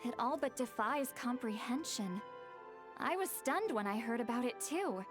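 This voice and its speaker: Woman playing a composed, higher-voiced warrior ally. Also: expressive, normal speed, music in the background, close to an everyday voice. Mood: thoughtful, explanatory. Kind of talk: video game character acting.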